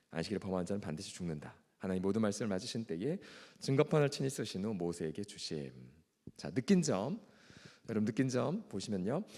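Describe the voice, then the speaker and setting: Speaking on the low side with a slightly mellow voice, a pastor with an ailing, strained throat gives a formal, earnest Bible class, lecturing, reading and praying. The church hall's reverb echoes long.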